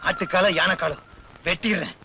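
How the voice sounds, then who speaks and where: A sly comic swindler who fumbles through excuses in an old film comedy. His voice is high and very bright and sharp, with light film music behind him. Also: huge pitch swings, a little fast, gravelly, full character voice. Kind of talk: 1980s comedy film acting.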